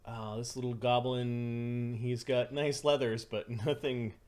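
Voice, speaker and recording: A man's voice: medium pitch, level tone, slow, darkish tone. A man narrating a tabletop role-playing game as game master, describing scenes as he improvises them.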